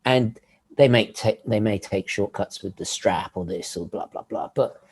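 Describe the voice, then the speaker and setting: A man with a British accent, whose first language is Italian, chats as a podcast guest. His voice is low and mellow, and he often stops to repeat words before going on. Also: normal speed, slightly rough. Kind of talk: casual podcast chat.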